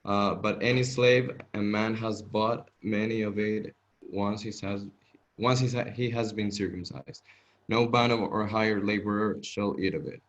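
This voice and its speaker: A man with a non-native accent reading a scripture passage aloud to a study group over a video call, stumbling and repeating words. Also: lowish voice. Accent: non-native English. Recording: dull, lo-fi video call audio.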